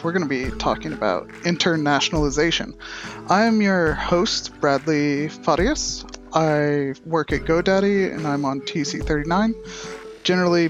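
A man hosting a podcast, introducing guests and putting questions to them. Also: a little high. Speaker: podcast host.

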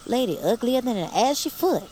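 A woman's voice: a little high, very animated, a little fast, darkish tone, a little hiss or hum. An actress playing a chatty young enslaved girl who gossips eagerly and cheekily. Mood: gossipy. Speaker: Nancy. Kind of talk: audio drama acting.

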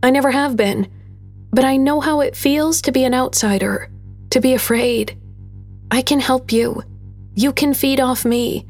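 Lady doing a young girl scout voice, earnest n pleading, a bit breathy. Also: sits high, a little slow, a little mellow, faint music behind, voice pushed up.

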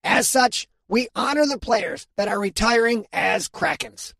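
A man reading an audiobook and voicing a tiny, gravelly alien football coach who speaks formally and solemnly. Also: very high-pitched, unhurried, pushed and bright, no room sound, studio quality, pitched above the performer's own voice, heavily acted. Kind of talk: audiobook character voice.

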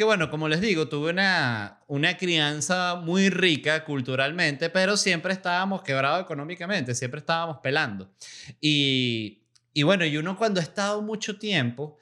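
Bright-voiced Venezuelan man telling a story. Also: a little high. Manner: lively anecdote-telling, salty language, acts out quoted voices. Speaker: comedian, podcast host. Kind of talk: casual storytelling chat.

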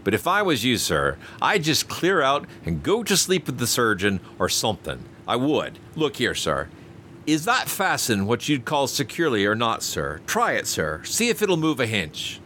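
A man's voice: mid-range voice, huge pitch swings, moderate pace, bright, forceful tone, slight background noise, voice pushed up. A man voicing a jittery, servile ship's steward who talks in dialect and says sir constantly. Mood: pleading. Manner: dialect speech, fawning, many "sir"s.

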